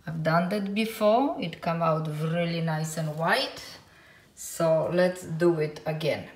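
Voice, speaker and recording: A woman's voice: deep voice, steady tone. A woman with a Polish accent, a non-native English speaker, chatting casually while she repairs and paints in a small tiled laundry room, filmed on a phone. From Poland. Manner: slow, plain, non-native English with dropped words. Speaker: DIY vlogger. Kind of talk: casual home-renovation commentary.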